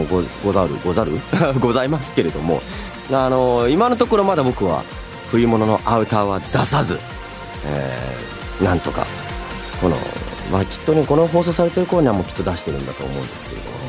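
A man hosting a radio show in a chatty, playful yet polite way, moving between banter and announcements. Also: deep voice. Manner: playful, polite, animated delivery. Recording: voice over background music. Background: background music.

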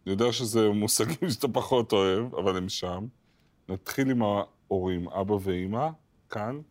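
A man hosting a podcast, asking interview questions in a calm, measured way. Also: on the low side. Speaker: podcast host.

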